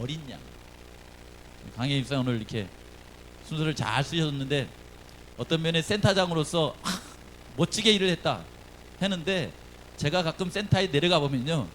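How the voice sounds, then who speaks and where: Pastor preaching in a conversational tone. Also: male voice, on the high side, fairly bright tone, a little hiss or hum, poor audio. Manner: conversational, asks the congregation questions. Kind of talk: sermon. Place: church sanctuary.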